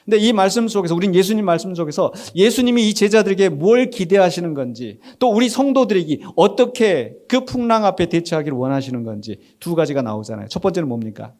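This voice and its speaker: A fairly high-pitched middle-aged male pastor delivering a Sunday sermon in a church. He preaches conversationally, firing off rhetorical questions and answering them, and breaks into little acted-out quotes. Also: expressive, fast, hardly any pauses, darkish tone. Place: church sanctuary.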